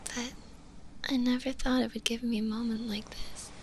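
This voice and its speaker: A woman voicing a gentle, lonely stitched-together zombie girl in a whispered ASMR roleplay, with a soft breathy voice and tender, hesitant delivery. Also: fairly high pitch, level tone, a little hiss or hum, lightly acted. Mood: wistful, tender. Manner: slow, hesitant, tender delivery with long pauses.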